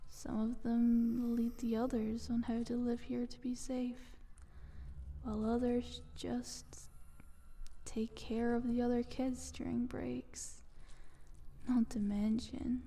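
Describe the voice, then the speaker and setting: A breathy eldritch monster, played by a woman, whispers in a slow, level ASMR monologue. She is calm, condescending and playfully ominous, with a mellow, slightly high female tone and some creak at the edges. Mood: patient, smug. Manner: slow, deliberate, coaxing.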